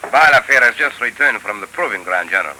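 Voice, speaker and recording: An actor playing a scheming professor who is a cold, calculating hypnotist villain, in a 1930s radio drama. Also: male voice, medium pitch, lively intonation, fast, sharp tone, rough recording. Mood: suave. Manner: smooth, coldly calculating. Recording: old radio broadcast, faint hiss.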